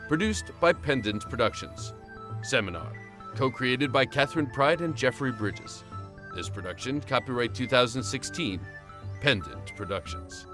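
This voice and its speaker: Casting: male announcer, mid-pitched, scripted credit read over clear music. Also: animated, normal speed.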